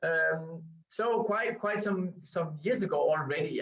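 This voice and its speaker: Audible room echo surrounds a man's voice. He talks at a fairly slow pace in a high voice with ordinary pitch variation. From Denmark. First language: Danish. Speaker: researcher. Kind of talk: lecture. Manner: hesitant, many fillers.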